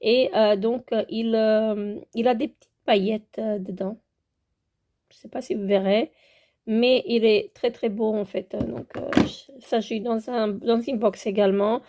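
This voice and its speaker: This beauty vlogger, who has a French accent, casually shows her skincare products and moves about as she handles each one. Her voice sits fairly high, with a steady, warm tone and a measured pace. She hesitates a lot and fills pauses with sounds.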